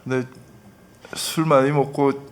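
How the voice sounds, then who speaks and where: A man's voice: medium pitch, flat delivery, slow. A man in his fifties, a poet from North Gyeongsang, casually telling stories from his youth with chuckles in a radio interview. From North Gyeongsang, Korea. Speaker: guest poet. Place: public radio broadcast stage.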